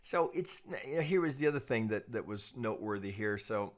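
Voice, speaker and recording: A man giving an informal technical analysis lesson as a trading analyst, explaining in a measured, cautious way with repeated phrases and frequent check-ins. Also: fairly low pitch, lively intonation. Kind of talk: informal technical analysis commentary over charts.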